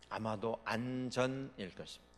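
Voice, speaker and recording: A male pastor preaching a sermon, with dramatic swings between loud proclamations and quiet asides. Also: medium pitch. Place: church sanctuary. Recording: long reverb of a large hall.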